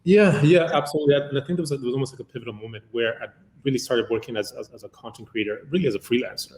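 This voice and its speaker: A man's voice: mid-range voice, very fast, a little mellow, roomy sound. A man in his fifties from Uganda, a company founder giving a long, rambling interview answer full of "uh" fillers. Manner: long-winded, many "uh" fillers.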